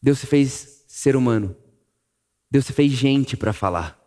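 A man preaching a sermon, telling the story vividly and swinging from loud emphasis to a hush. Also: mid-range voice, slow. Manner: animated storytelling, acting out voices, swings between loud and hushed.

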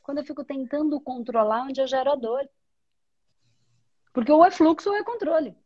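A woman's voice: high-pitched, moderate pace, lo-fi sound. A woman talking about spirituality, reflective, often asking questions and answering them herself. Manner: reflective, asks and answers her own questions. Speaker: spiritual teacher. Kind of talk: spiritual conversation.

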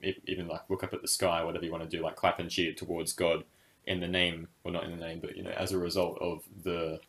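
Man, very low voice, young adult, casual podcast chat, hesitant, lots of fillers. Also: level tone, fast, fairly bright tone, slight background noise. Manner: thoughtful, hesitant, many fillers and restarts. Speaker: podcast co-host. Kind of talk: casual discussion.

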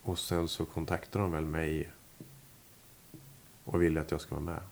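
A man's voice: very deep voice, little pitch movement, gravelly, darkish tone, slight background noise. A man, a musician, talking casually in an interview, rambling with many fillers and restarts. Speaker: musician guest. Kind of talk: relaxed interview talk.

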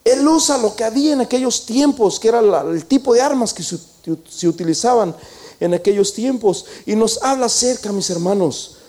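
A man's voice: high voice, expressive, moderate pace, dark tone. A man preaching a sermon, telling a story dramatically and asking the congregation rhetorical questions.

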